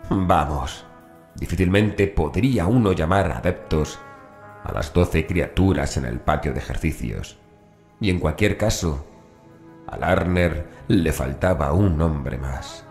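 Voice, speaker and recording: A man's voice: a bass voice, lively intonation, takes it slowly, a little mellow. A man narrating a scripted horror story as an audiobook narrator, with music behind him. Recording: voice over background music.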